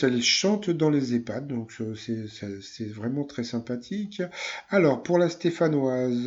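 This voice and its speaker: A man chatting through his commentary on a quiz show in a relaxed, mellow voice. He wanders and hesitates, stacking up fillers, and he teases as he goes. The recording sounds a little dull and lo-fi. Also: medium pitch. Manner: rambling and hesitant, full of fillers, teasing. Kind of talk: casual commentary.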